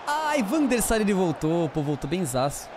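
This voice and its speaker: A Brazilian man streaming a football game, commentating live with a fairly high voice that leaps all over the place. He bursts out at his players in casual slang. Faint background noise sits under the recording. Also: normal speed. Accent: Brazilian Portuguese. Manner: excitable, shouts at players, slangy banter. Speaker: gaming streamer.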